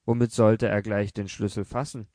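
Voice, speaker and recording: A man narrating a literary audiobook in a measured, even storytelling manner. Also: on the low side, no room sound, studio quality.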